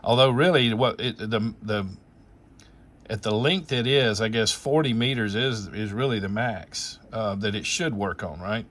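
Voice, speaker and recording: A low-pitched male voice in casual amateur radio chat. He explains technical settings as a host would, rambling a little and working things out aloud as he talks. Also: unhurried, a bit bright, slight background noise.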